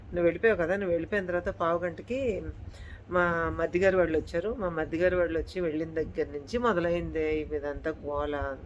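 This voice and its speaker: A woman's voice: fairly low pitch, steady tone, fairly quick, highs cut off, slight background noise, lightly acted. A weary, worried mother explains plainly what went wrong, told by a woman storyteller. The voice is the narrator's own, only lightly shaded. Faint room ambience sits behind it.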